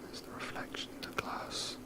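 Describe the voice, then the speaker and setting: A person whispering rambling, unhurried ASMR commentary while playing a video game. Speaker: game streamer.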